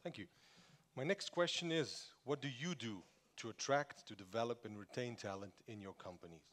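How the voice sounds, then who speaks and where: A man's voice: medium pitch, a bit bright. A man moderates a business panel on a conference stage. He keeps things moving and calls on each speaker by name. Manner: brisk, prompting speakers by name.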